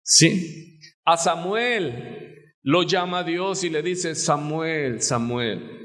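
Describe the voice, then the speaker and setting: Slow, high-voiced Mexican pastor. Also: male voice, a bit bright. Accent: Mexican Spanish. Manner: rhetorical questions to the congregation. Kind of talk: sermon. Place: church sanctuary. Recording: long church reverb.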